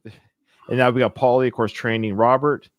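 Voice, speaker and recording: In this relaxed film-commentary chat, a podcast co-host reacts to a movie as he watches, performing the quoted lines with lively energy. His voice sits in the mid range and moves at a moderate pace, captured in studio quality without echo.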